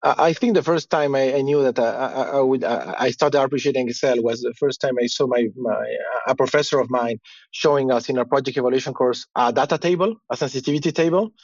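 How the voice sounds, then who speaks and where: A man from Chile speaking as a panel guest in a measured way with some restarts. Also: mid-range voice, no echo, muffled recording. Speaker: guest, valuation director. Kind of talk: casual panel chat.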